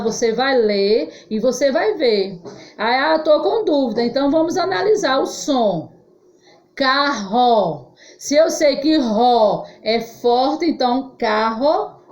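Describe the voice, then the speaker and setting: A woman teacher with a Brazilian Portuguese accent, giving a children's phonics lesson, drawing out syllables slowly and having the class repeat after her. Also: sits high, a little mellow. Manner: slow, drawn-out syllables, call-and-response drilling. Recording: dull lo-fi recording.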